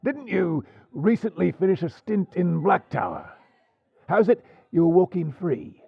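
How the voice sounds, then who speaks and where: A man playing a wary, gruff pirate overlord in an audio drama, gravelly and husky, with a sardonic drawl. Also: sits high, expressive, measured pace, dry recording, highs cut off, full character voice. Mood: suspicious. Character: wary, gruff male pirate overlord, dryly amused and menacing. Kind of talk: audio roleplay acting.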